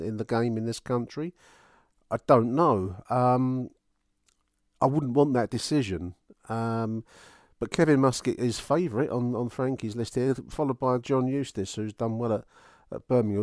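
A man's voice: medium pitch, a little mellow, no room sound, studio quality. A man hosting a fan podcast, chatting to his listeners in a wry, rambling way and often repeating phrases. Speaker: podcast host.

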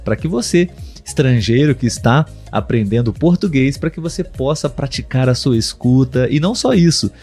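A man hosting a live podcast for Portuguese learners, speaking slowly and rephrasing his points so listeners can follow. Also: medium pitch, lively intonation, a little mellow, husky, soft background music. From Brazil. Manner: slow, deliberate, repeats and rephrases for learners. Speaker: podcast host.

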